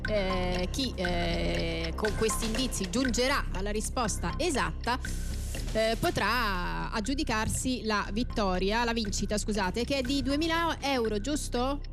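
A woman presents a live radio show in a fairly high voice, addressing listeners like a practised announcer. She slips between quiz announcing and banter, with faint music behind her. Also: animated, a little slow.

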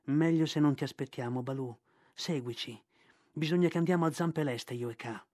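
A man's voice: a little high, moderate pace, a little mellow, no echo, studio quality, natural voice. A man doing a fierce proud she-panther. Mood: firm. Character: proud female black panther, fierce and quick.

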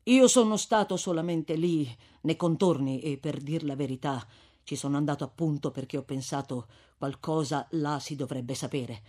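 A man voicing a resolute young man who speaks briskly and eagerly. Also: a little high, a little mellow, pitched below the performer's own voice, close to an everyday voice.

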